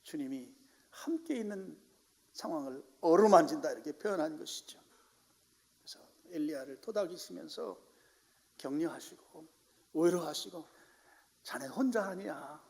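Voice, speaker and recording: High-voiced dramatic male preacher. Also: lively intonation, moderate pace, gravelly, long pauses, long reverb tail. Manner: dramatic, swinging from loud exclamations to hushed whispers. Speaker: pastor. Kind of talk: sermon. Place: church sanctuary.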